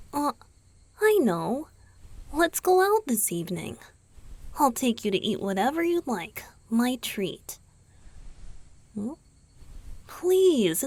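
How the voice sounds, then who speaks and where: A woman voicing a gentle, caring young male vampire boyfriend in an ASMR roleplay, soft-spoken and often whispery, with murmured hums. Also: mid-range voice, no echo, full character voice. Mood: warm, coaxing.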